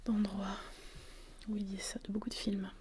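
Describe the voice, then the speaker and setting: A woman speaking in a soft, unvoiced whisper, giving a relaxing ASMR talk at home. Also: medium pitch, monotone, moderate pace, slight background noise. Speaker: ASMR creator. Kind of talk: whispered ASMR talk about film quotes. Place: at home, wind outside.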